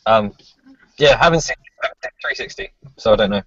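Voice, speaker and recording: A man's voice: on the low side, expressive, normal speed, fairly bright tone, dry recording. Man on a clipping, breaking-up call mic. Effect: clipping, peaking, breaking-up mic audio. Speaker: co-host on a livestream. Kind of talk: casual chat. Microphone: internet call mic. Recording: dull, lo-fi, dry call audio.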